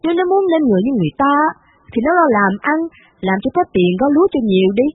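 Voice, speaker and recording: Woman voicing a hot-tempered wealthy old matriarch, scolding, husky, dry tinny recording. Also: a little high, big pitch swings, normal speed, no room sound, big-room sound, full character voice. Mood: angry. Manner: scolding, blunt, harsh. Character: rich old mother, domineering and quick-tempered.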